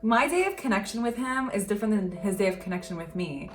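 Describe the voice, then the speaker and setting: A woman's voice: medium pitch, animated, fast talker, recorded from a distance. A young woman hosting her channel, chatting casually about how she met her partner, with lots of fillers and laughter. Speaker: channel host. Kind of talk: casual couple chat. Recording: roomy echo, faint music.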